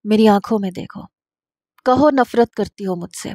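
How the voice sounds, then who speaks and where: A woman's voice: mid-range voice, mellow, no room sound, studio quality, lightly acted. A woman voicing an obsessive, jealous young man in a storybook reading, speaking in a heated, demanding way. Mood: obsessive, angry.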